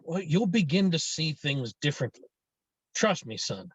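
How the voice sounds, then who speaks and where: A man's voice: on the high side, big pitch swings, moderate pace, a bit bright, slightly rough, no room sound, exaggerated voice. A man acting a proud, domineering father who presses his son, in a table read of a drama script. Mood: pleading, coaxing. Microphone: video call microphone.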